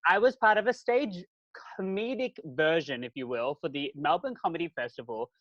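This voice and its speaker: A man's voice: on the high side, normal speed, fairly bright tone, dry recording, dull audio. A man co-hosting a podcast in casual chat, upbeat and enthusiastic. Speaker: podcast co-host.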